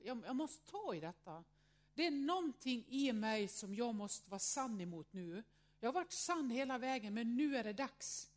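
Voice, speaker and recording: A woman around sixty tells a personal story to an audience, earnest and reflective, often filling her speech with little hesitation words. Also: a little high. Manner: acts out quoted voices in her story.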